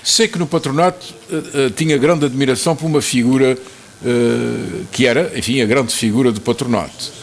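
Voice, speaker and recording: A man's voice: mid-range voice, normal speed. A man hosting a TV interview show, asking leading questions and summing up what his guest says. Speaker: TV talk-show host.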